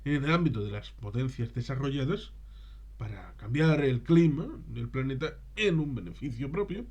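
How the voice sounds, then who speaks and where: A man's voice: fairly high pitch, darkish tone. Guy doing off the cuff movie review, rambles a bit, stops and starts looking for the right word. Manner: discursive, halting, searching for words. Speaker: film reviewer and presenter. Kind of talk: unscripted film commentary.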